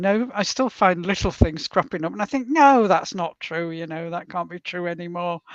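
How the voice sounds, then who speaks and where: A woman's fairly low voice in a strong Yorkshire accent, with lively intonation, dry and close with no echo, against a quiet background. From northern England, Yorkshire (Leeds). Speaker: guest of spirituality community chat. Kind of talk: casual interview conversation. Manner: hesitant, frequent fillers.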